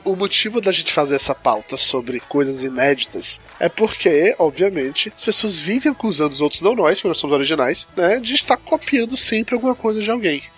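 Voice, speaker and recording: A man co-hosting a casual comedy podcast who steers the topic and jumps in with quick teasing remarks. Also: fairly high pitch, lively intonation, fairly bright tone, soft background music. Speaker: podcast co-host.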